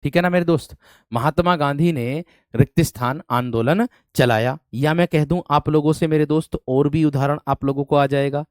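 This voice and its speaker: A man teaching grammar in an exam-prep class, repeating each phrase slowly for dictation and calling his students "my friend". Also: a little high, fairly even intonation, dry recording, clean studio sound. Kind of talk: online exam-prep lesson.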